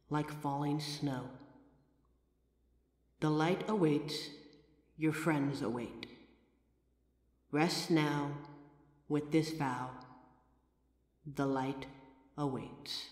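A woman playing a kind, playful psychic who gently helps a ghost in an audio roleplay. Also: deep voice, slightly rough, full character voice. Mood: solemn, hushed. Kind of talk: audio roleplay addressed to the listener.

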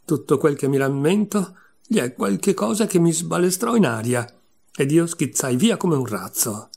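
A meek little lizard, dazed and shaken, as a male narrator puts him on. His voice is weak and hissing, pitched a bit higher than the reader's own. A storybook creature, timid and bewildered. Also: lively intonation, normal speed, creaky, darkish tone.

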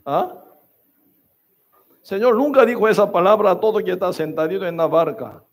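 A man preaching a sermon in short, emphatic phrases, often checking with the congregation with quick questions. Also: high-pitched. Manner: keeps asking the congregation "¿verdad?" and "¿sí o no?".

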